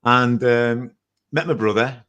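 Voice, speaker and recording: A man's voice: medium pitch, takes it slowly, fairly bright tone, clear, resonant tone, dull audio. A man in his sixties from Liverpool with a Liverpool accent, telling his story as an interview guest in a chatty, rambling way with small self-corrections and jokes. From Liverpool, England. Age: 60s.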